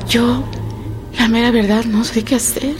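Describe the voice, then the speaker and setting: A woman's voice: on the high side, steady tone, unhurried, noisy background, close to an everyday voice. An actress playing a fretful, plain-spoken middle-aged rural Mexican mother in a radio play. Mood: troubled, fearful. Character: worried rural mother of grown children, threatened. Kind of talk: radio theatre monologue.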